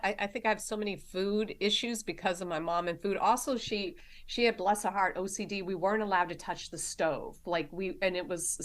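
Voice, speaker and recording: A woman in her forties with a softened Boston accent, a podcast guest who tells family stories in a chatty way and laughs often. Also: medium pitch. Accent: Boston, softened by years in Arkansas. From Massachusetts, Boston area. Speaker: guest, nurse practitioner. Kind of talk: casual storytelling chat.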